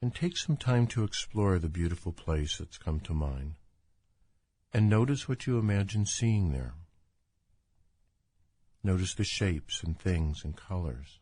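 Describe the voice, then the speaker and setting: A man leading a guided imagery relaxation as a doctor, speaking in a calm, soothing, unhurried manner. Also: sits low, breathy edge, no echo. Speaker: doctor guiding a relaxation exercise.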